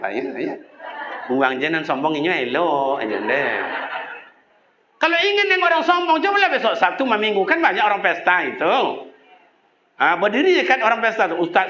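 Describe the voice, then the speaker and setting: A man's voice: on the high side, a little hiss or hum. A man preaching a humorous sermon, teasing the congregation and mimicking local people. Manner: jokey, lively storytelling with mimicked voices. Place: mosque. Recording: echoey mosque, dull sound.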